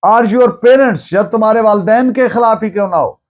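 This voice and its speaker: A man with a Pakistani accent giving a formal law lecture, mixing in English terms, deliberate and emphatic, repeating phrases in translation. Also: high-pitched.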